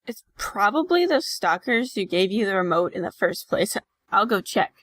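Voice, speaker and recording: A woman's voice: medium pitch, sing-song, moderate pace, a bit bright, no echo. A woman playing a sardonic, blunt young best friend in an audio drama. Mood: nonchalant.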